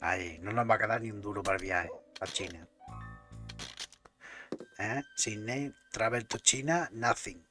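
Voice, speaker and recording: Man, lowish voice, chatty gameplay commentary with faint game music. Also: unhurried, pauses often. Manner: chatty, swears, talks to himself.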